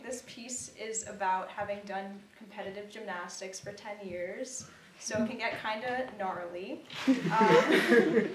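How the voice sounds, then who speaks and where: A woman's voice: medium pitch, distant mic, slight background noise. Young woman reading in an echoey room. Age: young adult. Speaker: student reader. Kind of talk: literary reading of personal prose.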